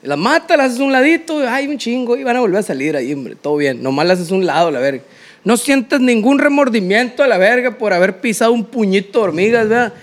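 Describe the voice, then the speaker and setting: A man with a Mexican accent in casual comedic chat, crude and slangy, telling stories in an animated, joking way. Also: sits high, a little fast. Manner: crude, heavy slang and swearing. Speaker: podcast co-host.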